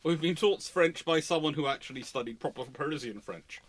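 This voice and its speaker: A man's voice: fairly high pitch, fairly quick. A British man hosting a casual live question-and-answer stream, thinking aloud and wandering into digressions. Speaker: host answering viewer questions on a livestream.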